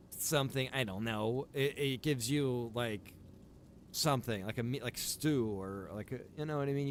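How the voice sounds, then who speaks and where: A man livestreaming a survival roleplay game, chatting casually and informally as he thinks out loud. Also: medium pitch, a little hiss or hum. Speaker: game livestreamer and server developer.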